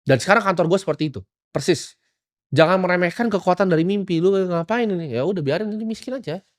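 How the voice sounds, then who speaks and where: Fast-talking, scolding young man. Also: high-pitched, no room sound, clean studio sound. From Indonesia. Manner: blunt, scolding, boastful. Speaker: investor giving advice. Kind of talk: lecturing monologue to viewers.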